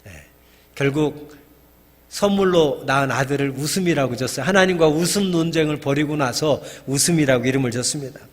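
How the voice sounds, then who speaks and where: Middle-aged pastor preaching in a reverberant hall. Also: male voice, fairly high pitch, a little fast. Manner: asks the congregation questions and acts out quoted lines. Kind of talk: sermon. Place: church sanctuary. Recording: long church hall reverb.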